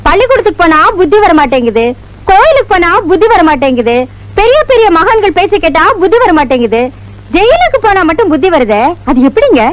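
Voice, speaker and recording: An actress playing the warden's young sister, teasing and playful in a film comedy. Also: female voice, extremely high pitch, big pitch swings, quick pace, slight background noise, rough recording.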